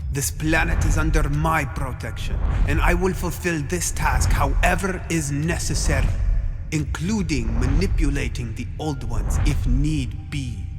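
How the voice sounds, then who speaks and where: A man's voice: fairly high pitch, measured pace, pitched above the performer's own voice, close to an everyday voice. A man playing a zealous, self-righteous godlike villain, declaiming pompously and wrathfully in a dramatic audio story. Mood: commanding, furious. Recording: long cavernous reverb over music.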